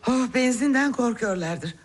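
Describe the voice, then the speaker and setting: An actress playing a worried, weary older mother in a television drama, with a husky voice. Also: a little high, expressive, unhurried. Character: worried, weary, devout mother of a grown daughter.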